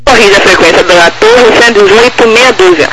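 A man with a Brazilian accent giving air traffic clearance instructions over radio. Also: high voice, fairly quick. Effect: aviation radio. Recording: slightly noisy aviation radio.

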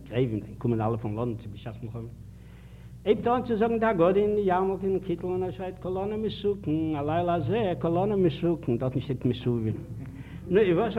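A man giving a public lecture, telling anecdotes and putting emphatic rhetorical questions to his listeners. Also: high voice. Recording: tinny archival 1950s lecture tape with faint hiss.

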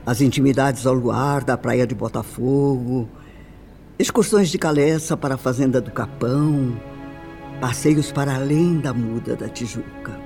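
An actress playing a refined, sorrowful older mother in a radio drama, with a Brazilian accent and solemn, deliberate, formal phrasing. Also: a bass voice, dark tone. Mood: grave, bitter. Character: older upper-class widowed mother, grave, sorrowful, refined. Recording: music under the voice. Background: background music.

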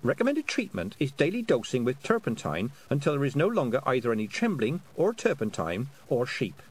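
A man voicing a stubborn, earnest young farm girl in an audiobook, pleading and sharp by turns. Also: medium pitch, wildly swooping pitch, brisk, husky, pitched above the performer's own voice. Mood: reading aloud. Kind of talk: audiobook character voice.

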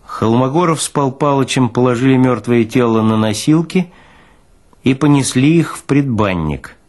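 A man's voice: medium pitch, normal speed, darkish tone. A man narrating literary fiction expressively, as in an audiobook.

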